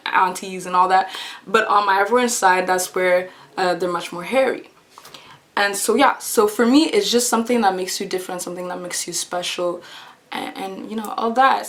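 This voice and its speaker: A woman's voice: mid-range voice, a bit bright. A young woman vlogging to camera in a casual, earnest way, often laughing and repeating her phrases.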